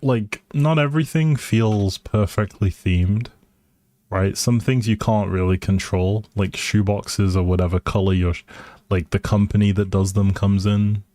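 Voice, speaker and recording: A man chats through his game stream at a very unhurried pace, musing and hesitating as he thinks aloud. His voice is low and very mellow, close and dry on the mic. Sentences often trail off into the next thought. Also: fairly even intonation, no room sound. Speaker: live streamer playing a life simulation game. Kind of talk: casual chatty gameplay commentary, thinking aloud.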